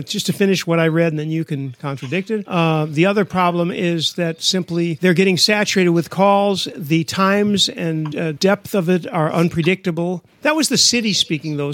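High-voiced man ranting, dry mic. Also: brisk, few pauses, fairly bright tone, no room sound. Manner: opinionated, ranting. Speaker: podcast host. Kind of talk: casual chat.

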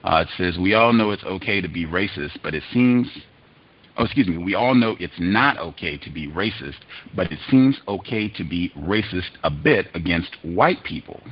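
A male interview host with a very low voice asks pointed questions and cuts in bluntly. The sound is dull and lo-fi, like a streamed call. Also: expressive, normal speed. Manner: direct, interjecting, reads quotes aloud.

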